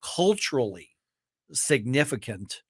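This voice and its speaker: A male morning radio host speaking at a mid pitch, talking loosely with his co-hosts. He stops and restarts sentences, leaning on fillers like "uh" and "you know." The studio sound is dry and close. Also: very animated, fairly bright tone, husky, dry recording. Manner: halting, many restarts and fillers. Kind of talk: casual talk radio banter. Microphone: studio microphone.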